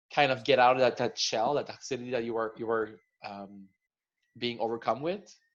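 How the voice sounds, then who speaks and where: A normal speaking voice from a man, medium pitch, fairly even intonation. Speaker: podcast host. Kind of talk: casual interview questions.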